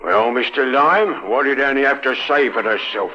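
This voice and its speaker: A man's voice: mid-range voice, lively intonation, moderate pace, music in the background, natural voice. A man playing an impatient black-market boss in an old-time radio drama, blunt and threatening. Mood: menacing. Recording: muffled old radio recording.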